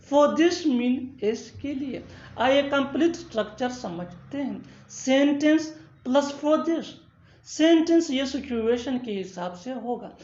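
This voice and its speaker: A woman teaching English grammar in a scripted lesson, saying each English example slowly and then repeating it. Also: high-pitched, a little mellow, echoey room, highs cut off.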